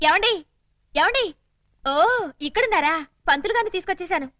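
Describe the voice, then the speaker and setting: An actress playing a headstrong young woman prisoner in love, who talks in a fast, pleading, melodramatic way. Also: extremely high pitch, expressive, no room sound, clean studio sound, heavily acted. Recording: film soundtrack with loud music.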